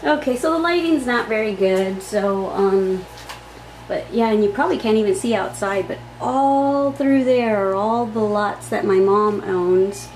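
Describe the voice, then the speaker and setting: A woman's voice: mid-range voice, a little slow, a little mellow. A woman in her forties giving a chatty, rambling home tour vlog, full of ums, filmed in a small pink bedroom on a camera mic. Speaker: craft vlogger. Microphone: camera mic on a tripod. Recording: echoey room, faint background hiss.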